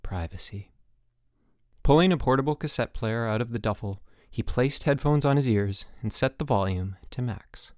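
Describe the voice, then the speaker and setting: A man's voice: mid-range voice, moderate pace, hardly any pauses, a little mellow, no room sound, clean studio sound. A man narrating fiction as a scripted audiobook reading.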